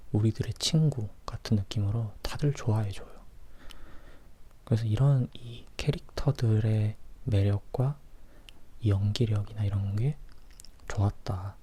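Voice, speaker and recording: Hushed man whispering a movie review. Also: lowish voice. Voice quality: breathy, hushed. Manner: soft, close-up whispering, as if leaning in. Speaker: host of a film review series. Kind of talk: whispered ASMR movie review, casual chat.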